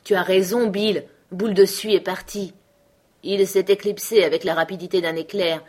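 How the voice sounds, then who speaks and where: A woman reading the part of a gruff, weary adult male trapper in a storybook, grumbling and dismissive. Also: mid-range voice, steady tone, moderate pace, darkish tone, lightly acted. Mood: emphatic.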